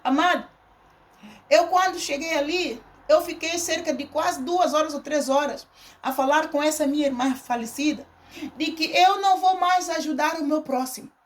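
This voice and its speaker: Woman, high voice, middle-aged, church testimony, emphatic repetition, storytelling with acted-out dialogue. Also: normal speed. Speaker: church speaker giving testimony. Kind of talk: personal testimony to a congregation, storytelling.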